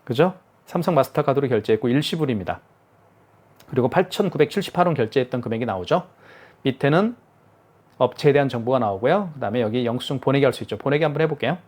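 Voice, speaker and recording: A man's voice: medium pitch, animated, fast talker, a little mellow. A man giving a hands-on product tutorial, explaining each step patiently and repeating himself for clarity. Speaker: product demonstrator.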